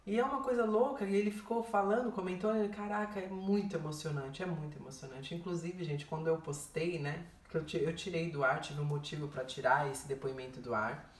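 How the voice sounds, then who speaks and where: A woman's voice: low-pitched, steady tone, brisk, reverberant, recorded from a distance. A woman telling a heartfelt personal story to her viewers, often repeating herself and calling out to them directly. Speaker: vlogger. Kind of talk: emotional personal testimony.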